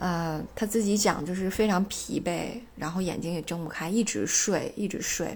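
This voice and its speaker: At a moderate speed, a woman talks in a mid-range pitch. Her pitch moves in an ordinary way, and her voice has some breathiness. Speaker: podcast host, mother. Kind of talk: casual monologue.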